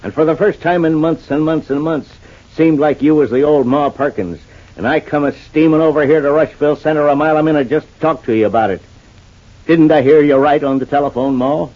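A man's voice: on the high side, a little fast, natural voice. An actor playing Shuffle, a plain-spoken rural older man with a rural American accent, talking in an earnest, folksy drawl in a radio soap. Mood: pleading. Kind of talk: 1940s radio acting. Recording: dull old radio transcription.

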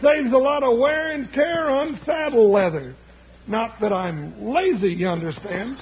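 A jolly, excitable cowboy sidekick for an old radio western. His folksy American Western drawl sits extremely high for a man. The vintage recording is dull and clearly noisy. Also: measured pace. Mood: pleased, folksy.

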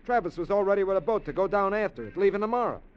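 A man's voice: sits high, lively intonation, rapid-fire, clear, resonant tone. An actor playing an eager small-time male burglar with pushy street slang in a 1950s radio drama. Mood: scheming. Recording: dull old radio recording.

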